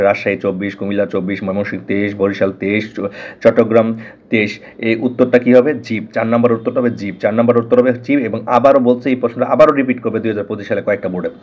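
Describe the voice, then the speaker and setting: Fast-talking Bangladeshi Bengali teacher, man. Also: mid-range voice, darkish tone. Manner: repeats answers and stresses importance, addresses students directly. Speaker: exam-prep teacher. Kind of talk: online exam-prep lesson.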